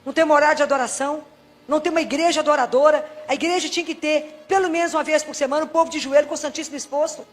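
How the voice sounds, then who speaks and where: A woman's voice: sits high, rapid-fire. A middle-aged Brazilian woman preaching a Catholic sermon to a congregation, telling stories and putting questions to her listeners. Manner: lively, storytelling, asks the audience questions.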